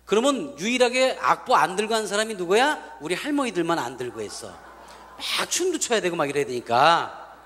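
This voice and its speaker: Animated high-voiced male pastor. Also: fairly quick, long reverb tail. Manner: animated, acts out dialogue in different voices. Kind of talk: storytelling sermon.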